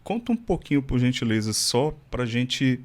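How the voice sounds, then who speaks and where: Chatty podcast host, mid-pitched. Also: male voice, big pitch swings, normal speed. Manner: friendly, chatty, light joking. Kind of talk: casual interview chat.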